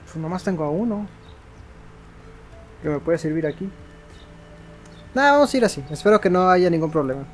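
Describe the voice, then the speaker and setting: A man's voice: high voice, expressive, fast talker, pauses often. A man with a Mexican accent giving casual, slangy and playful commentary on a video game. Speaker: gaming video host. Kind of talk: casual let's-play commentary. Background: faint game music.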